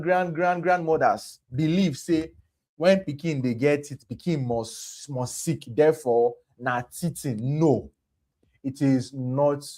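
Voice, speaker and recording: A man's voice: mid-range voice, a little mellow. A Nigerian man speaking Nigerian Pidgin mixed with English as he hosts a live health talk, explaining conversationally and emphatically with repeated phrases.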